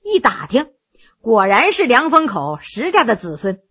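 A woman telling a traditional tale with animated, rhythmic phrasing. Her voice is high and bright and swings widely as she builds the drama. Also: measured pace, husky, muffled recording. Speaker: storyteller. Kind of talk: traditional oral storytelling.

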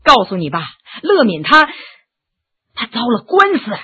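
A woman voicing a blunt, excitable but softhearted gentleman who exclaims and sighs a lot. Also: fairly high pitch, unhurried, husky, highs cut off, exaggerated voice. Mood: exasperated. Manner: impulsive, exclaiming, sighing.

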